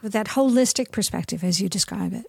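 A woman hosting an interview podcast, speaking in an attentive, measured way as she puts questions and addresses listeners. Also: mid-range voice, creaky, a little mellow, husky, no room sound, clean studio sound.

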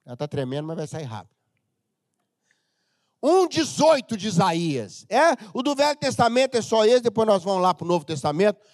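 A middle-aged Brazilian man preaching a humorous, animated sermon as pastor of a church, sometimes breaking into shouts. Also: high-pitched, a little fast, no echo, studio quality. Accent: Brazilian Portuguese.

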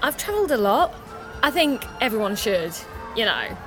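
Woman playing a chatty undercover girl, high and bouncy. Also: big pitch swings, normal speed, music in the background, rough recording. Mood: breezy. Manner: chatty, breezy. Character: bold young English woman spy, breezy.

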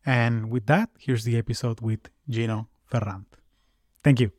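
A man's voice: mid-range voice, unhurried, darkish tone, no echo. Friendly male podcast host, dry sound. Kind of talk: podcast announcements and interviewing.

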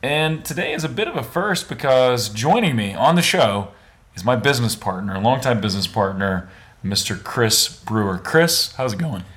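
An upbeat man hosts a podcast on location at a conference, chatting easily with fillers and quick asides. His voice sounds a little raspy and worn from days of nonstop talking, and his pitch sits in an ordinary middle range. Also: very animated, a bit bright. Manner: upbeat, conversational, with frequent fillers. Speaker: podcast host. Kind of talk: casual podcast chat with read ad.

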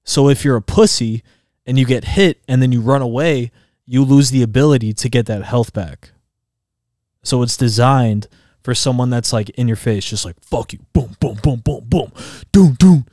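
A man in his twenties co-hosting a relaxed podcast, spinning excited stories and acting out sounds with his voice. His pitch sits in the middle range, and he fills his talk with "like" and "bro." The room is dead and dry. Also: moderate pace, no echo. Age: 20s. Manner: animated storyteller, acts out game sounds, heavy filler "like" and "bro". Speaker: podcast co-host. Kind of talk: casual chat.

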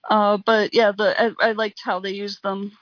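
Halting woman in casual chat. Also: mid-range voice, flat delivery, no echo, highs cut off. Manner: halting, many ums. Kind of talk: casual movie discussion.

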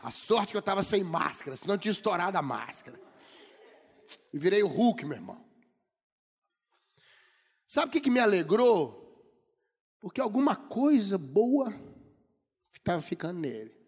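A man's voice: high-pitched, sing-song, moderate pace, pauses often, husky. A middle-aged man with a Brazilian Portuguese accent preaching a sermon, telling humorous stories and acting out the people he quotes. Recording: long reverb of a large hall.

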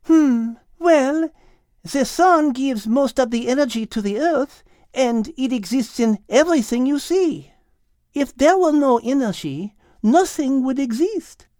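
A man voicing a brilliant, gentle female cat with a French accent, patiently explaining in a children's animal story. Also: very high voice, expressive, unhurried, dry recording, clean studio sound, pitched above the performer's own voice. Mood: patient, teaching.

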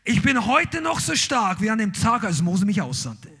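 Male pastor, emphatic sermon delivery, lively swooping pitch, husky edge. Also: normal speed. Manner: emphatic, exclaiming preaching.

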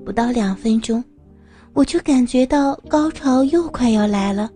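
A woman narrating a first-person adult audio story in an intimate, breathy manner. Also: fairly high pitch, moderate pace, warm tone, faint music behind.

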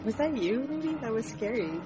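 A woman's voice: fairly high pitch, sing-song, a little fast. Woman, podcast co-host, mid-range voice, teasing, lo-fi audio, film music behind. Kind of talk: casual movie riff chat. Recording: dull lo-fi audio with film playing.

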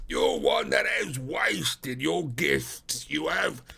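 A man voicing a gruff, stubborn, distrustful prizefighter porter who talks in loud working-class dialect, in a storybook reading. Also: medium pitch, huge pitch swings, drawn-out words, pitched above the performer's own voice, full character voice. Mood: roaring delight.

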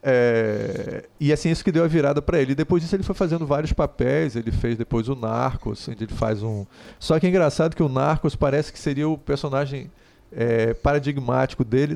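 Gravelly man telling stories casually. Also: medium pitch. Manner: rambling, animated storyteller with many fillers. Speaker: podcast co-host. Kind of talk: casual chat.

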